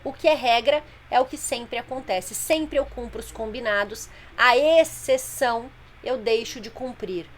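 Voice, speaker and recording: A woman's voice: a little high, unhurried, few pauses. A woman parenting coach talking directly to mothers on a live stream, explaining plainly and patiently. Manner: explanatory, plain-spoken, addresses viewers directly.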